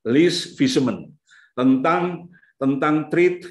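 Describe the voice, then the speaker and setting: A man's voice: mid-range voice, fairly quick. A man giving a casual seminar talk about the brain and parenting, chatty and full of fillers, now and then acting out voices of parents and children. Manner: conversational, many fillers like "gitu ya"; acts out parents and children in lively bursts. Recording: echoey room.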